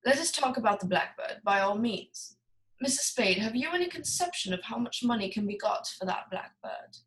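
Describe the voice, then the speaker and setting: Radio play villain, female actor: genial, long-winded criminal mastermind, orotund and theatrical, a little high in pitch. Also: animated, normal speed, fairly bright tone, poor audio. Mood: jovial, expansive. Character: jovial, wordy, scheming fat male crime boss. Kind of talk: film noir radio play acting.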